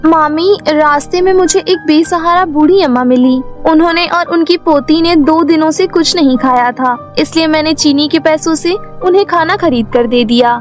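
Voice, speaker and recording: A kind young orphan maid speaks gently and pleadingly in a cartoon story, voiced by a woman. Her voice is very high and soft. Faint music plays underneath. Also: normal speed, few pauses, natural voice.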